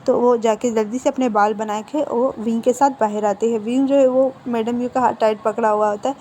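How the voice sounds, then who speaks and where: High-voiced woman casually retelling a story. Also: steady tone, fairly quick, mellow, slight background noise. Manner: conversational, self-correcting. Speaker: story narrator.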